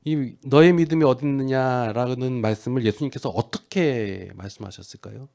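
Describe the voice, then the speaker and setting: A middle-aged male pastor giving a conversational sermon, acting out quoted lines and building to loud, emphatic peaks. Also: medium pitch, normal speed, vocal fry.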